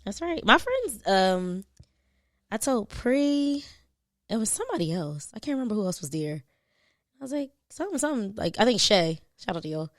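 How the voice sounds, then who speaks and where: A young woman with a Baltimore accent co-hosting a podcast, chatting in giggly, animated banter. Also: medium pitch, moderate pace, dry recording, clean studio sound. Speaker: podcast co-host. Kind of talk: casual chat.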